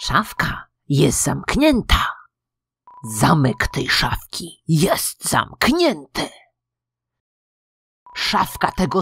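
A raspy put-on character voice from a woman, at a very slow pace.

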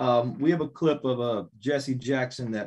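With an American accent, a man talks in a plain, everyday voice at a medium pitch and moderate pace against a quiet background. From California. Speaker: music teacher and arts director moderating. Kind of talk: moderated panel discussion. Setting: video call. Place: home room.

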